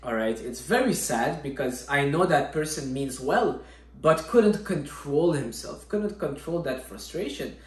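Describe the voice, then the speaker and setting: A young man with a somewhat high voice, speaking earnestly about discipline as a fitness vlogger. He keeps checking in with his listener. The room around him rings with echo. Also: animated, a little slow. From Syria. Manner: earnest, repeats "all right?" often. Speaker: fitness vlogger, natural bodybuilder. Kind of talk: motivational talk to camera. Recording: echoey room.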